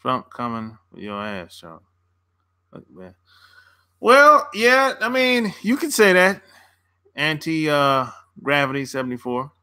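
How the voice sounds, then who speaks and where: A man's voice: fairly high pitch, very animated, takes it slowly, pushed and bright, clean tone. A man hosting a casual livestream, answering viewer comments in a laid-back, slangy way and laughing often between remarks. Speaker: dating coach and channel host.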